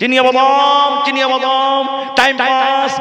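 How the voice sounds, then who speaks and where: A nasal, put-on character voice rings out with clear echo. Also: man, extremely high pitch for a man. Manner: sing-song vendor's call.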